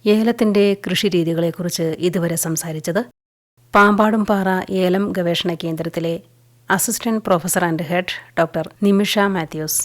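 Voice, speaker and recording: A woman radio announcer speaks in a formal, measured way, wrapping up a program segment. Her voice sits fairly low for a woman, and the delivery is clean and unhurried. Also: fairly even intonation. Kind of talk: station announcement.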